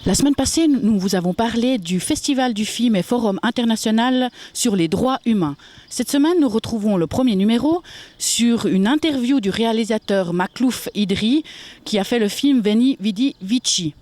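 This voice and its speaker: A woman's voice: fairly high pitch, expressive, moderate pace, a little mellow, no echo. A woman presenting a student news magazine, reading from a script. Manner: reads from a script. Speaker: show presenter.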